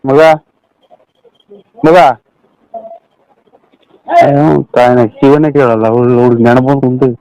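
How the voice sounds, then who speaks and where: A man's voice: mid-range voice, fairly even intonation, takes it slowly, pauses often, dull audio, crowd noise. A man in a rural comedy dialogue who grumbles and hesitates. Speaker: comedy performer.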